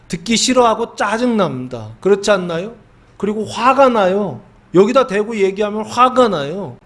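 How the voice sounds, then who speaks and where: A middle-aged male pastor preaching a sermon, asking the congregation questions and answering them himself, slowing down to stress words and sometimes shouting. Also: high voice. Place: church sanctuary.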